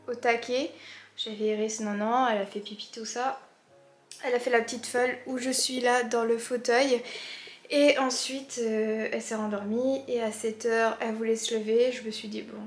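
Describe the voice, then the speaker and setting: A woman vlogging casually to camera with a stuffy nose from allergies, rambling and filling pauses as she talks. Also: a little high. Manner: chatty, rambling, with many fillers and restarts. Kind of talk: casual vlog chat to camera. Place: indoors in a holiday rental, later outdoors by a bay. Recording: roomy echo with faint background music.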